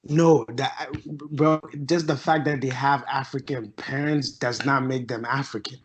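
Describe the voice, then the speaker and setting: A man's voice: medium pitch, steady tone, measured pace. A young man co-hosting a podcast, talking in an emphatic, ranting way during a casual chat. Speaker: podcast co-host.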